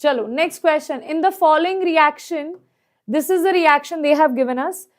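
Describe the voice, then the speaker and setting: A chemistry teacher with a South Asian accent works through an exam problem step by step. Her voice is high and her pace moderate, and she often checks that students follow with short questions.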